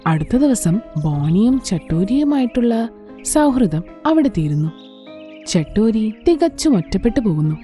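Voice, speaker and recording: A woman's voice: on the high side, sing-song, unhurried, mellow, faint music behind. A woman narrating a children's story as a scripted storyteller.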